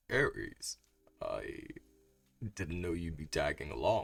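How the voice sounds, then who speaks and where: Using a raspy, put-on character voice, a man talks fairly slowly. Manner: surprised, slightly awkward.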